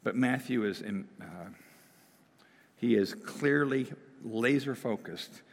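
A middle-aged man preaching a sermon in a relaxed, conversational way, stumbling and restarting as he goes. His mid-range voice is a little hoarse, as if he is losing it. The sound rings with the long reverb of a church sanctuary. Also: mid-range voice, slow pace. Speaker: pastor. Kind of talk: sermon with prayer.

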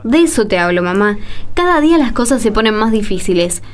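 A woman as worried, gentle Argentine farm daughter. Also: mid-range voice, sing-song, fairly quick, natural voice. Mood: disheartened. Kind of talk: radio drama acting.

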